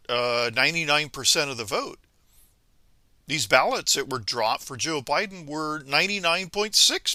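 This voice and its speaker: A man from Venezuela speaking a political monologue to viewers, halting with many pauses and restarts, then scolding emphatically. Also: on the high side, bright, forceful tone, no room sound. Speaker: commentator.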